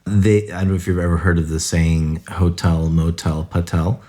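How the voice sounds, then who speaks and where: A man's voice: sits low, level tone, normal speed, dark tone. A young adult man from the United States, a podcast guest chatting casually about his family, rambling with lots of "like"s. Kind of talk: casual interview storytelling.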